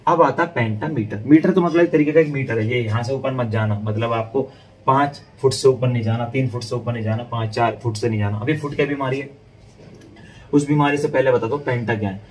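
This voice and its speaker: A man's voice: medium pitch, a little fast, a little mellow, recorded from a distance, a little hiss or hum, rough recording. Chatty male tutor, slightly off-mic. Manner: chatty, addresses students as "beta", repeats and checks "theek hai". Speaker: online English literature tutor. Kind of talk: informal classroom lecture.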